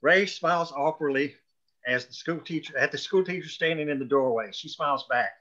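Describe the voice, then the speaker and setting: Bright-voiced man reading stage directions. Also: fairly high pitch, brisk. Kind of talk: scripted narration at a table read. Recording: dull, lo-fi call audio.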